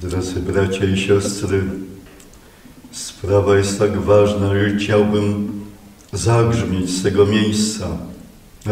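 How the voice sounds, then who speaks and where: A man speaks softly at a very slow pace and a fairly low pitch, with long, frequent pauses. The room echo is audible, and there is noticeable background noise. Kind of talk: sermon. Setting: chapel. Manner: soft-spoken.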